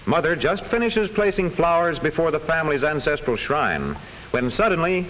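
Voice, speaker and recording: An American man narrates a vintage classroom film with formal precision. His voice sits fairly high and swings widely in pitch, on an old soundtrack with faint background noise. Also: sing-song, moderate pace, fairly bright tone, poor audio. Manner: formal, precise, storytelling delivery.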